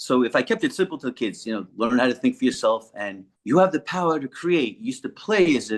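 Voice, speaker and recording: In an American accent, a man talks with very wide swings in pitch. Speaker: performance poet, speaks in schools. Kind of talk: interview answer.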